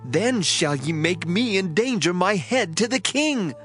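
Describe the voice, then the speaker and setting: Casting: male actor as nervous palace official, formal, slightly high and swinging voice over music. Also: expressive, measured pace, fairly bright tone. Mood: anxious. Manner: formal, worried. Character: fearful, anxious royal court official. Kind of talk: dramatized scripture acting.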